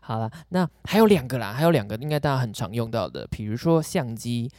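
A man explains sounds in a casual chat, patient but teasing. His pitch is middling yet moves freely, with a dry, close sound. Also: sing-song, quick pace, a little mellow, no echo. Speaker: podcast co-host explaining pronunciation.

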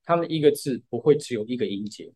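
A man's voice: mid-range voice, animated, fast talker, a little mellow, husky. Patient man explaining music. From Taiwan. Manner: explains patiently with many "对" fillers. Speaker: podcast co-host. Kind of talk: casual explanatory chat.

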